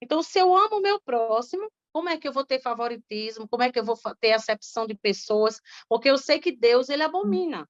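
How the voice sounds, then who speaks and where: Brazilian woman, Sunday school teacher, explanatory tone, high pitch, dull dry recording. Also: lively intonation, fast talker, hardly any pauses, no echo. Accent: Brazilian Portuguese. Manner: explanatory, with filler tags. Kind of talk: Bible study podcast discussion.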